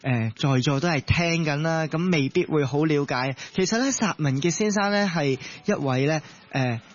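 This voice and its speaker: A fairly high-voiced man with a Hong Kong Cantonese accent hosts in a conversational way. He pads his phrases with particles and pauses, on slightly dull-sounding audio. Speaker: radio co-host. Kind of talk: conversational hosting and anecdotes.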